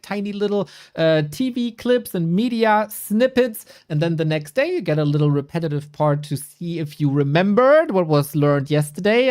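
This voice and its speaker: A man's voice: high-pitched, darkish tone. A male esports caster from Germany. He talks in a playful, self-mocking, chatty way. His intonation swings widely up and down. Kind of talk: live esports casting with a sponsor read.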